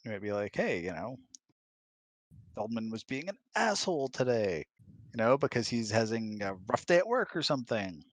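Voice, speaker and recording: Over online voice chat from a close, dry room, the husband co-host, a middle-aged man, chats casually, wandering between topics and performing imagined remarks. He speaks at a medium pitch and normal speed in a sing-song way, with no room sound.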